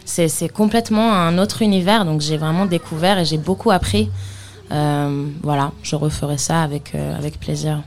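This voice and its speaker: A woman's voice: low voice, moderate pace, a little mellow. A woman with a slight accent, a singer guest on radio, speaking hesitantly with many fillers. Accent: slight foreign accent. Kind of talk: radio interview.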